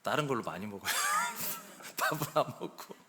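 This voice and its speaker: A man in his sixties preaching a sermon as pastor. He talks in a conversational, storytelling way and swings between loud emphasis and hushed asides. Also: mid-range voice, expressive, moderate pace. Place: church sanctuary. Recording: long church hall reverb.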